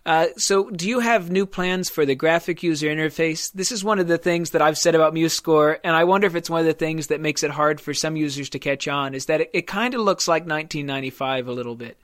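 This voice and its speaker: A man's voice: fairly high pitch, fast talker, few pauses, fairly bright tone, no room sound. Easygoing man hosting, dry sound. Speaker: podcast host. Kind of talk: casual interview.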